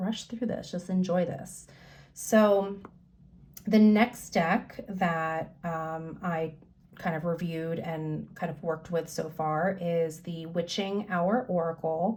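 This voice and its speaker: A woman speaks in a fairly low, somewhat breathy voice. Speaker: tarot and oracle deck reviewer. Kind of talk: product review and card reading.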